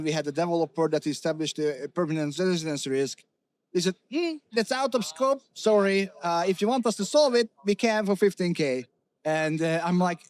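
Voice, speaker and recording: With a fairly high, slightly mellow voice, this middle-aged company CEO from Hungary speaks frankly in an informal interview. He often restarts sentences and leans on fillers.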